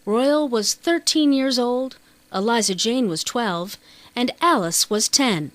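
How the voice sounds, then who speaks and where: A woman's voice: fairly high pitch, lively intonation, takes it slowly, no echo. A woman reading a children's novel as scripted audiobook narration.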